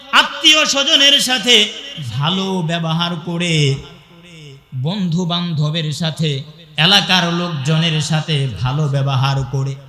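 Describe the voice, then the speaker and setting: A man with a Bangladeshi Bengali accent delivers a waz sermon, moving from slow, drawn-out chanted recitation into preaching that calls out to the crowd. His voice sits high and sounds piercingly bright. Long reverb from a large hall rings around every phrase. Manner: chants Arabic verses in a slow singsong, then preaches with rising calls to the crowd.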